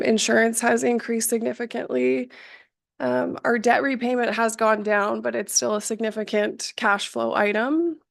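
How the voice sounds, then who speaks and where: A woman speaking in a slightly high but gravelly voice, hoarse from being sick, walks through budget slides at a public council meeting. She is halting and apologetic, with many ums between points. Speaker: municipal finance staff presenting budget. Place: council chamber.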